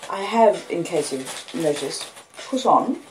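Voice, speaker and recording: A woman with an Australian accent chats casually as host of a livestreamed book reading, rambling along with halting pauses. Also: lowish voice, animated, soft background music. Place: front room of a house with street noise. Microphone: phone and an old laptop. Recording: noisy home phone recording. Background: street noise, house creaks, puppy, lo-fi beats.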